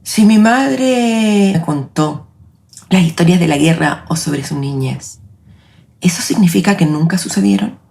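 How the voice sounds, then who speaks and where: A woman in her late forties with a Chilean accent, hosting her own podcast in a reflective, measured, personal narration. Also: lowish voice, lively intonation, vocal fry, a little mellow. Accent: Chilean Spanish. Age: 40s. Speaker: podcast host.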